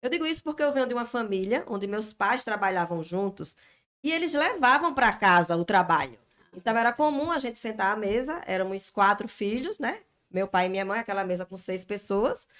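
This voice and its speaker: A woman's voice: medium pitch, lively intonation, fairly quick, a bit bright. A woman in casual podcast talk, chatting and telling anecdotes about her husband. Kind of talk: casual chat.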